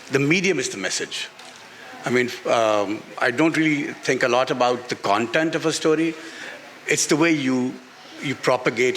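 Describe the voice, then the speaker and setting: Speaking on a panel at a garden literary festival, this middle-aged author with a Pakistani accent gives frank answers in a mid-range, fairly bright voice. He leans into his points emphatically, repeating phrases to drive them home, while the live recording picks up background noise.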